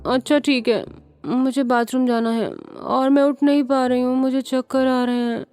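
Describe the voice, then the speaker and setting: A woman's voice: high voice, moderate pace, a little mellow, dry recording, clean studio sound, soft background music, voice pushed up, natural voice. A woman voicing a playful, childish young bride of twenty who talks in a bratty, whiny way.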